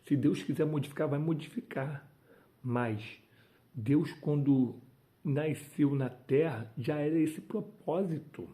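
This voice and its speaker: A man delivers a devotional sermon with fervent emphasis. He often breaks into exclamations of praise. His voice is very mellow and dark-toned. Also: a little high, slow. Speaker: preacher.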